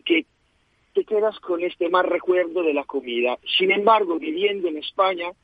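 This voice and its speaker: A man from Italy with an Italian accent, a native Italian speaker, chatting as a restaurant co-founder in a phone interview, hesitant with many fillers and quick to laugh. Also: fairly high pitch, dry recording. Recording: tinny dry phone line.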